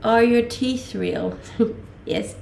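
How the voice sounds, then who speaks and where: A young woman from Denmark with a mixed Danish and Australian accent, chatting casually with stream viewers, relaxed and laughing, a little under the weather. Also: fairly high pitch, extremely slow, creaky, roomy sound, slight background noise. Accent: Danish-Australian mix. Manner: relaxed, laughing, many fillers. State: a little sick. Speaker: livestreamer. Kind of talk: casual chat reading viewer questions.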